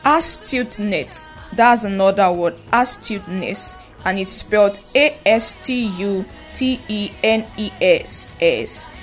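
A woman co-hosting a radio show, teaching vocabulary. She spells and defines each word slowly and carefully, and repeats her example sentences. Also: medium pitch. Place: radio studio.

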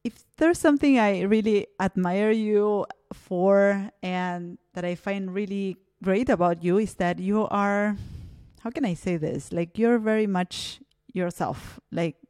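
A woman's voice: mid-range voice, a little slow, a little mellow, clear, resonant tone, no echo. A woman from Argentina hosts a casual interview, thinking aloud in a reflective way and leaning on fillers. The sound is dry and close, with no room around it. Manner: reflective, many fillers like "you know" and "like". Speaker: podcast host. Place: Berlin.

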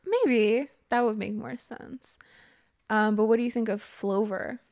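A woman's voice: fairly high pitch, a little slow, a little mellow. A young woman co-hosting a podcast in casual chat, laughing often and rambling with fillers. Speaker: podcast co-host.

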